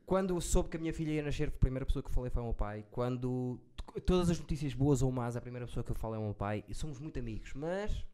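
A man's voice: medium pitch, quick pace, few pauses, mellow, clear, resonant tone. A man with a European Portuguese accent in casual chat, asking probing questions and telling personal stories candidly.

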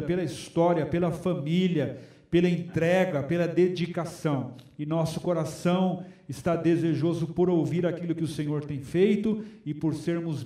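A man's voice: fairly high pitch, dark tone, reverberant. A man serving as host pastor, welcoming a guest in a friendly way and leading prayer. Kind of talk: church service hosting and prayer.

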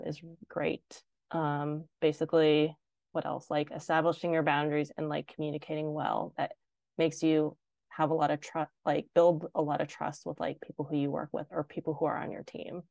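A woman's voice: deep voice, vocal fry, darkish tone, no echo. A young woman, a designer and podcast guest, chatting casually and filling her talk with "like". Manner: chatty, heavy use of "like". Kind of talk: casual interview chat.

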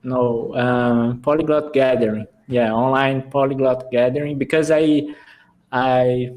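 A man's voice: mid-range voice, fairly even intonation, measured pace, a little mellow. A man hosting a casual online interview in non-native English, laughing often and phrasing things carefully. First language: not English. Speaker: host of an online live interview. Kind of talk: casual live-stream interview.

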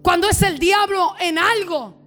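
A woman preacher telling a deliverance story in an animated sermon, shouting at high points. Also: measured pace, soft background music.

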